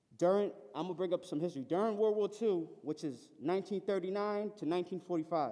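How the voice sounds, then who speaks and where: Loud, high-pitched male voice with a dark, mellow tone, ordinary pitch variation and a very fast pace. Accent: American. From Massachusetts. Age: 30s. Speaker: public commenter, veteran. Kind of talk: public comment. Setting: video call.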